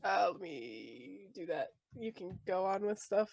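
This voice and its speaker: A woman's voice: medium pitch, lively intonation, unhurried, creaky, darkish tone, husky, highs cut off. A woman talking casually as a player in a tabletop game.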